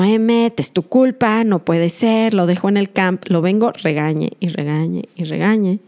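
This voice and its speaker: Warm-voiced earnest woman podcaster. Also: mid-range voice. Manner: earnest, confessional, addresses listeners directly. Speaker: podcast host. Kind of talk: reflective podcast monologue.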